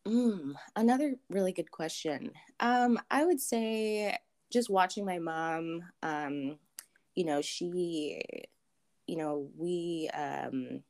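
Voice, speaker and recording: A young adult woman from Zambia, answering interview questions thoughtfully with many pauses and ums. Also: lowish voice, lively intonation, a little mellow. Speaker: interview guest.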